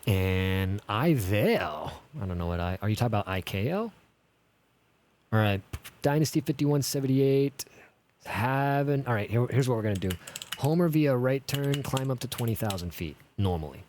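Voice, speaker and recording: A man's voice: mid-range voice, animated, normal speed, darkish tone. A man streaming an air traffic control simulator, thinking aloud casually in running commentary full of radio-style jargon. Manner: casual, thinking aloud, swearing now and then. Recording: clear background noise, keyboard clicking and typing. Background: keyboard typing and clicks.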